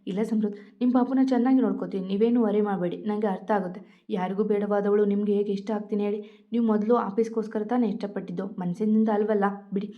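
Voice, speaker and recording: A woman's voice: mid-range voice, steady tone, fast talker, close to an everyday voice. A woman voicing a hurt, tearful young pregnant wife, pleading as she reads. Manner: pleading, emotional storytelling reading. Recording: dull lo-fi audio.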